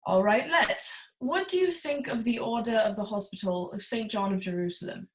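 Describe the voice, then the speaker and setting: Woman playing a courtly, greedy crime boss, highish voice. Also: normal speed, natural voice, poor audio. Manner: formal, grandiose storytelling. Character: courtly, greedy, obsessive middle-aged crime boss, fat man. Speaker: voice actor. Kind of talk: 1940s film noir radio acting.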